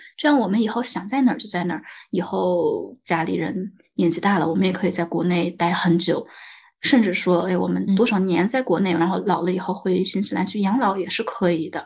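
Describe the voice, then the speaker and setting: A woman speaks at a medium pitch with ordinary pitch variation and some vocal fry. The background is quiet. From China. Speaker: immigrant guest. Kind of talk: casual chat.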